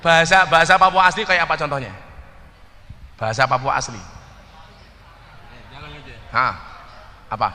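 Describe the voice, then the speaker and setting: A man's voice: on the high side, animated, moderate pace, long pauses, pushed and bright, long reverb tail, slight background noise. A man giving a humorous religious talk, teasing audience members and slipping into Javanese. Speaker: preacher.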